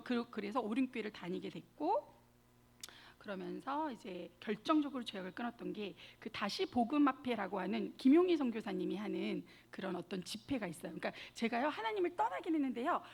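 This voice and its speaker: A woman's voice: a little high, gravelly, husky. A woman guest speaker preaching a sermon, telling her story animatedly, acting out quotes and addressing the congregation directly.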